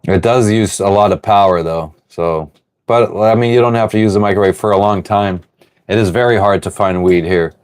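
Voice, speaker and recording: A man's voice: fairly low pitch, normal speed, smooth. Laid-back man chatting on a livestream. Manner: relaxed, rambling, reads out and answers viewer comments. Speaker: livestream host answering chat. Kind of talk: casual live chat. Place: on board a sailboat.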